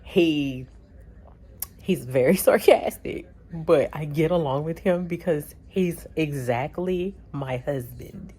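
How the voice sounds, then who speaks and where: A woman's voice: deep voice, slow, warm tone, slightly rough. A woman chatting casually in a vlog, laughing often and acting out bits of her story. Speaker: vlogger.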